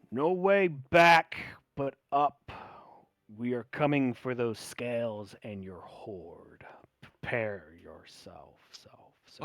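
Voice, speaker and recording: A man performs a booming, put-on character voice at a medium pitch, very slowly, with very wide pitch swings and big swings in loudness, in a very clean recording with a silent background. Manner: mad, menacing.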